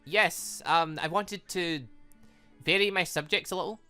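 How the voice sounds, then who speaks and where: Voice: mid-range voice, measured pace, pushed and bright, smooth, faint music behind. A gamer reading aloud a mild, dry young woman student in a visual novel, hesitant and mildly reproachful.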